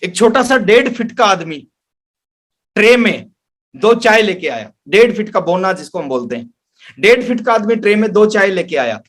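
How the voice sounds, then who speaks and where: A man's voice: high-pitched, sing-song, moderate pace, a bit bright. A man gives a motivational sales training talk, speaking emphatically and repeating phrases for effect. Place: online webinar.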